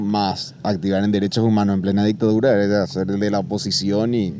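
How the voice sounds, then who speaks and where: There is noticeable background noise behind this man. His fairly low voice moves at a moderate pace. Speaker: podcast host. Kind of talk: interview.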